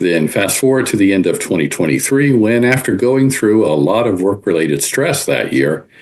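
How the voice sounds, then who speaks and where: Over noticeable background noise, a man with a fairly low pitch talks at a moderate pace with very wide pitch swings, very even loudness and hardly any pauses. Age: 60s. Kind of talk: personal testimony.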